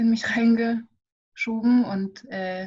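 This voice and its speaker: Very slowly, a woman speaks in a somewhat breathy voice. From Germany, Berlin. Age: 30s. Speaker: mother sharing her illness story. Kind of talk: interview testimony. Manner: hesitant, many filler sounds.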